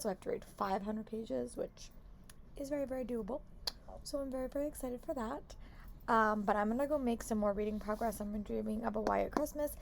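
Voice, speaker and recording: A young woman chatting casually in a book vlog, hoarse from a long day of talking at work, upbeat with lots of "like" and restarts. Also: fairly high pitch, a little hiss or hum. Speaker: book vlogger. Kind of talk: casual vlog check-ins.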